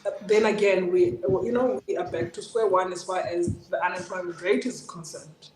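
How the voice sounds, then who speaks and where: A man's voice: high voice, fairly even intonation, moderate pace, darkish tone. A man co-hosting a casual podcast discussion, chatty and agreeing with the others. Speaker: podcast co-host. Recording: echoey room, faint noise.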